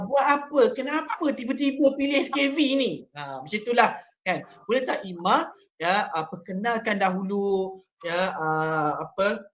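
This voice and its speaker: A man with a Malaysian Malay accent hosting a live online interview, talking with many pauses and fillers. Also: high voice, fairly bright tone. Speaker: live stream host.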